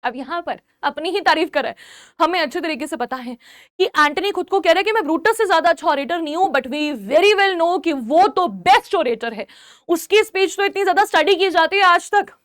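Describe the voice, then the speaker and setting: A woman's voice: very high voice, a bit bright, dry recording, studio quality. A young woman teaching a literature lesson for exam prep, explaining each line and often repeating phrases to check that students follow.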